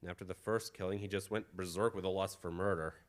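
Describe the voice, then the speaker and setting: A man playing an earnest, protective gentleman hero in an old-time radio drama style. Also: low voice, steady tone, fast talker, lightly acted. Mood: grave explaining.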